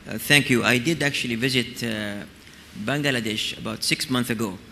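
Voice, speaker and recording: A man with a bright, forceful and creaky voice answers from a conference panel. He is earnest and articulate, speaking off the cuff in a reverberant hall with noise around him. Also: medium pitch, normal speed. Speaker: conference panelist, healthcare executive. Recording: very echoey hall, clear background noise.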